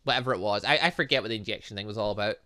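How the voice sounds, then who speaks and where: A man's voice: lowish voice, rapid-fire, pushed and bright. A young man giving casual let's play commentary on a visual novel, rambling and thinking aloud with muttered filler sounds. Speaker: gaming channel host.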